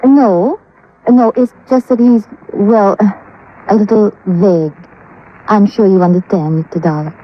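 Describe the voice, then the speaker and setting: A woman's voice: mid-range voice, a little slow, lightly acted. An actress playing a genteel, evasive young woman from an old family in 1950s radio drama style, hesitant and confiding. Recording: dull lo-fi old radio recording.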